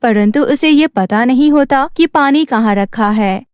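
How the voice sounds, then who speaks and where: A woman's voice: on the high side, unhurried, a little mellow, clean tone, no echo, studio quality. A woman reading scripted narration as the storyteller of a children's moral tale.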